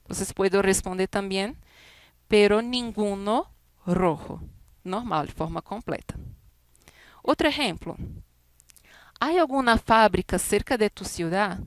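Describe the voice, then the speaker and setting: A woman's voice: mid-range voice, a little slow, pauses often, no room sound. A woman teaching a Spanish class, explaining grammar step by step and reading out example words and sentences, speaking.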